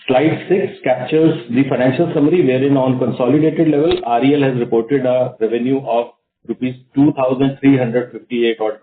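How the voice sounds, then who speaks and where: An Indian man delivers a scripted investor presentation in a formal, methodical manner. His mid-pitched voice comes through a thin phone conference line with clear room echo. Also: phone-quality sound. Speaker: company finance executive. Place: conference call.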